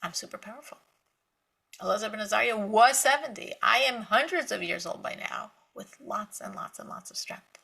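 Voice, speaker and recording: A woman giving a spiritual Torah lecture, telling stories with lively emphasis, repeating words and laughing lightly between points. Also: mid-range voice, moderate pace, gravelly, husky, rough recording. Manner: animated storytelling with emphatic repetition. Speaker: Torah teacher.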